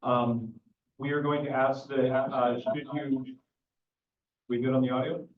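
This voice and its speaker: A man acting as mayor, opening a public council meeting. He talks slowly and projects his voice without yelling, with no microphone in a meeting room. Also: mid-range voice, little pitch movement. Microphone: no microphone, picked up from a distance. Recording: echoey, distant, dull sound.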